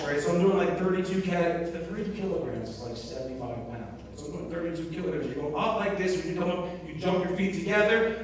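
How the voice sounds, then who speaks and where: Energetic man speaking in an echoey hall. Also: high-pitched. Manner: energetic, storytelling with asides. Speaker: motivational speaker. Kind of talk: live presentation to an audience. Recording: echoey hall, mic at a distance.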